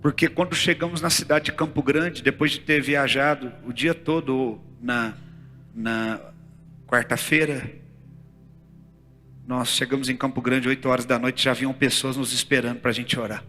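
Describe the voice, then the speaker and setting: A man with a Brazilian Portuguese accent preaching a sermon in a church, moving from hushed storytelling to loud, fervent exhortation. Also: mid-range voice, steady tone, normal speed. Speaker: pastor. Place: church sanctuary. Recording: church hall with long reverb and faint music.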